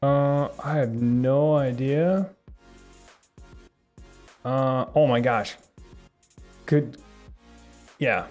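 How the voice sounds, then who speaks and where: A young man hosting a live tech stream, answering viewer chat in a rambling, halting way with lots of fillers and restarts. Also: medium pitch, darkish tone, faint music behind. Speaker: tech livestream host.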